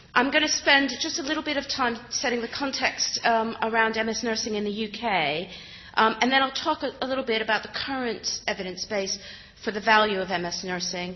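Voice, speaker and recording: With an American accent and lively intonation, a woman talks at a fairly quick pace in a fairly high voice over noticeable background noise. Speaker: nurse and charity director. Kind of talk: conference talk. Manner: hesitant with many fillers.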